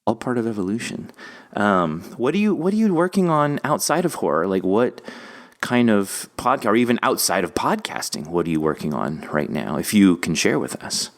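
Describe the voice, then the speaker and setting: A man with a low, deep voice hosts a relaxed interview. He speaks earnestly and conversationally, often repeating a phrase to underline it. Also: normal speed. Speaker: podcast host. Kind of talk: casual interview chat.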